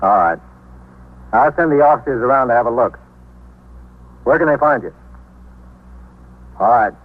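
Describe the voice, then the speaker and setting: An actor playing a brisk police desk sergeant taking phone calls in a 1950s radio drama. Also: male voice, medium pitch, animated, lightly acted. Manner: brisk, businesslike. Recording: tinny old radio recording.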